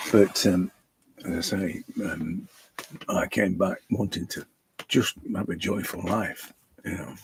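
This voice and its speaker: Long, frequent pauses mark a man's fairly slow speech. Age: 60s. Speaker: portrait artist and teacher. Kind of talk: casual talk while drawing. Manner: halting, many fillers.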